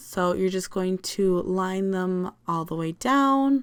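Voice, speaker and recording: Over a very clean recording with a silent background, a woman at a medium pitch speaks at a very slow pace. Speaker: craft tutorial youtuber. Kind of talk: tutorial. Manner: casual, conversational.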